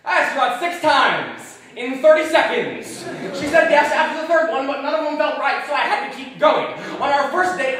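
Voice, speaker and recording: A man's voice: extremely high pitch, a bit bright. A man reciting slam poetry with an intense, dramatic delivery. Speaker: slam poet. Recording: very echoey room, distant microphone.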